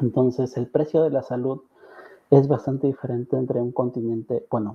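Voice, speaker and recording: A fairly quick pace with monotone, flat intonation. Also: man. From Peru, Trujillo. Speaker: pharmacist. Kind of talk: interview. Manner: halting.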